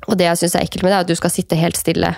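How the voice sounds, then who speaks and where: Woman, thirties, low voice, gravelly, reflective chat, dry sound. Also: little pitch movement, a little mellow, no echo. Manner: reflective, many fillers and quoted inner thoughts. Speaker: guest. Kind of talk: casual conversation.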